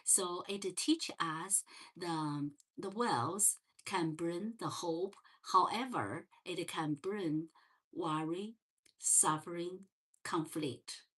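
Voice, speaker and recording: Slow-talking woman with a Chinese accent. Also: lowish voice, husky, rough recording. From China. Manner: slow and gentle, many fillers and restarts. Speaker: livestream host. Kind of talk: casual livestream chat. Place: parents' home.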